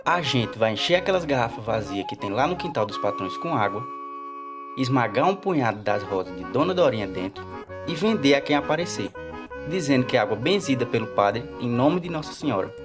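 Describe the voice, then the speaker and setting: A man's voice: medium pitch, big pitch swings, fairly quick, music in the background, natural voice. A man playing a cocky, wily, poor bakery worker in a radio soap, brash and colloquial, with a Northeastern Brazilian accent. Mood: sly, scheming. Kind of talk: radio soap opera acting.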